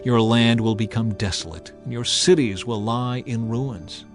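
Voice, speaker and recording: A man's voice: medium pitch, unhurried, close to an everyday voice. Man voicing a solemn, commanding God over music. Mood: stern, threatening. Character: God of the Bible, stern, authoritative male lawgiver. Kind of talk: dramatized scripture reading.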